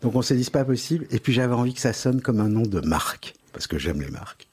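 A man's voice: medium pitch, very animated, fast talker, darkish tone, husky. A middle-aged man with a Parisian French accent, telling anecdotes wryly in a casual radio interview. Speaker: interview guest, advertising agency head.

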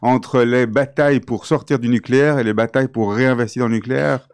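Clear, dry-sounding male interviewer. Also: mid-range voice, steady tone, brisk, dry recording. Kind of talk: conversational political interview.

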